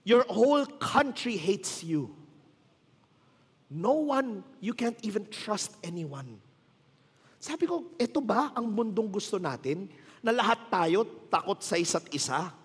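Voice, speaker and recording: High-voiced Filipino pastor in a reverberant hall. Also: male voice, very animated, slow pace, breathy edge. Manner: storytelling, mixing Tagalog and English, joking asides. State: tired, strained voice from little sleep. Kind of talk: conversational sermon.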